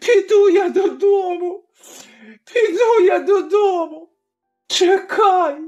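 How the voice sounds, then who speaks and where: A narrator voicing a young village woman who shouts in anger and sobs through her words, in an audiobook. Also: slow pace, muffled recording, faint music behind. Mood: sobbing. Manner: shrill, shouting and crying. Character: young village woman, wronged, furious and sobbing. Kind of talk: audiobook character voice.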